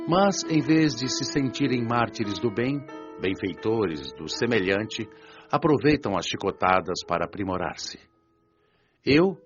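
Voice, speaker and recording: A man playing a patient, earnest father who teaches like a preacher in a radio drama, didactic and solemn. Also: on the low side. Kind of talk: audiobook radio drama, sermon-like lecture. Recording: dull lo-fi audio with music behind. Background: music.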